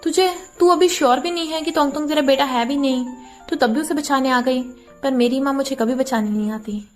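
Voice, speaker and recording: A woman's voice: high-pitched, a little fast, lightly acted. A woman narrator voicing a bitter, vengeful young woman cousin in a drama recap, with faint music underneath.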